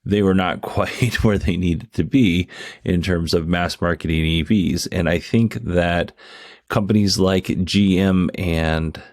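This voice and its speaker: A man's voice: deep voice, steady tone, slow, darkish tone, no echo, studio quality. A man giving casual, opinionated commentary as a host, explaining things in a conversational way. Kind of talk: casual commentary on a company earnings call.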